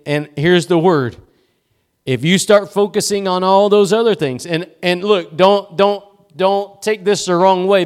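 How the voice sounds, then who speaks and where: A male pastor preaching a sermon in a church, with emphatic repeated cadences and rhetorical questions. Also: high voice.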